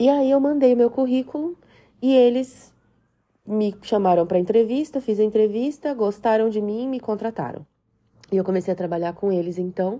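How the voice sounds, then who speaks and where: With lively intonation and a dark, mellow tone, a woman speaks at a moderate pace in a fairly high voice. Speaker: podcast host. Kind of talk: personal storytelling. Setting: recording away from home, not silent.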